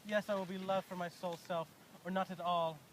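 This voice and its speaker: A student voicing Christian, an earnest young male soldier, in a quiet, plain school play reading. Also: medium pitch, level tone, fast, slight background noise, natural voice. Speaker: student actor.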